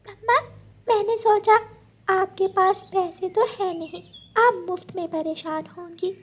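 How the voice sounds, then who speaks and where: A woman's voice: extremely high pitch, fairly even intonation, a little slow, voice pushed up. A woman voicing an eager, earnest young girl bird in a cartoon story.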